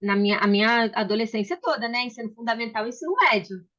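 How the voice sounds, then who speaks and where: A woman's voice: a little high, fast talker, a bit bright. A woman hosting a book club on a video call, chatty and welcoming, with frequent restarts. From Brazil. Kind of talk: casual video call chat. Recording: slightly dull video call audio.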